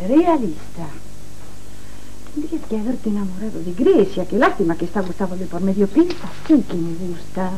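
A woman's voice: medium pitch, very animated, moderate pace, mellow, natural voice. An actress playing a scornful middle-aged gypsy mother in a telenovela, exclamatory and dramatic. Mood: cold, cutting. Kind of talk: melodramatic telenovela acting. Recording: noisy old TV archive tape.

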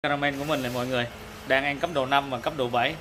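A man in his thirties hosting a casual food review while eating, speaking haltingly with hesitations and repeated words. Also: medium pitch, steady tone, fairly bright tone. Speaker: food vlog host. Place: open-air casual restaurant. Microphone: camera across the table. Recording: noisy eatery ambience, traffic.

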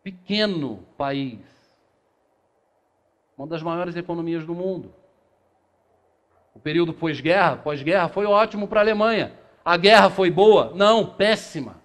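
A man's voice: high voice, lively intonation, a little slow, long pauses. A middle-aged man from Brazil giving a spiritist lecture in a small meeting room, reading passages aloud and posing rhetorical questions that he answers himself. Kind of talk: lecture to a seated audience. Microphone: far camera, no handheld mic.

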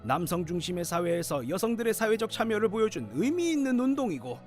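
A man's voice: high-pitched, very animated, fast, a little mellow, faint music behind. An actor playing a scolding, lecturing grandfather over a hundred years old, telling stories in an educational audio drama with old-fashioned speech. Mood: earnest storytelling.

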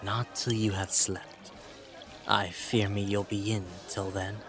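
An actor playing a dry, sardonic, hard-drinking Roman soldier in a Shakespearean audio drama. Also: male voice, on the low side, level tone, slow, fairly bright tone, soft background music. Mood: wry.

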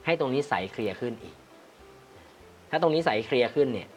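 A man's voice: medium pitch, expressive, quick pace, soft background music. A man hosting a casual photography-critique livestream, reading viewer comments aloud and laughing often. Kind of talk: casual live chat reviewing viewer photos.

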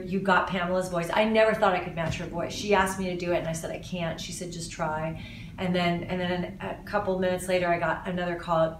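A woman in her forties from Los Angeles, a voice actor answering interview questions in a casual, animated way with frequent restarts, filmed in a living room. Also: fairly low pitch, slight background noise. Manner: animated, talks with her hands, many restarts. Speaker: voice actor guest. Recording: roomy, slightly distant sound.

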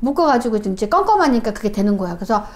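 A woman shaman telling her story in an interview, animated and acting out the voices she quotes. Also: on the high side, fast.

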